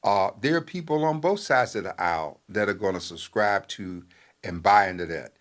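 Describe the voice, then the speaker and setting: An older man, a newspaper editor, giving talk-show commentary in a measured, halting way with many fillers. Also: lowish voice, lively intonation, a bit bright.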